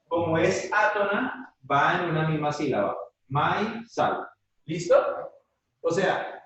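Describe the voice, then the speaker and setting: A male teacher giving a classroom grammar lesson, patiently checking in with his students after each point. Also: high voice. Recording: very echoey room, voice from far off.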